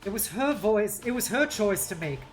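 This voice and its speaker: A woman's voice: mid-range voice, expressive, moderate pace, faint music behind, lightly acted. Woman reading as a firm, proud female commander. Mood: indignant. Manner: firm, formal, challenging. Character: indignant, proud female war-machine commander. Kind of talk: dramatic novel read-aloud.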